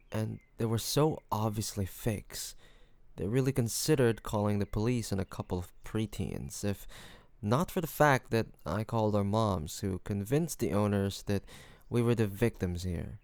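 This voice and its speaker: Gravelly, charming mafia boss, played by a man. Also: fairly low pitch, a little slow, no room sound. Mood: amused, reminiscing. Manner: relaxed, playful storytelling with frequent soft chuckles. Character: charming, hospitable male mafia boss, family-minded and teasing. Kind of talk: intimate scripted audio roleplay, spoken to one listener.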